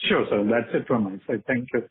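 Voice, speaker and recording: A male analyst speaks through a tinny telephone connection. His mid-pitched voice is a little rough, and he builds probing questions with hesitant pauses. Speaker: financial analyst calling in. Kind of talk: asking questions on an earnings conference call. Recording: thin, band-limited phone line.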